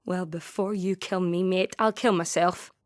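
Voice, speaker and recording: A woman's voice: lowish voice, fairly even intonation, moderate pace, no room sound, clean studio sound, lightly acted. A woman performing a dramatic monologue as a traumatised, streetwise young woman, raw, colloquial and defiant. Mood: raw, urgent. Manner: raw, colloquial, mimics her attacker.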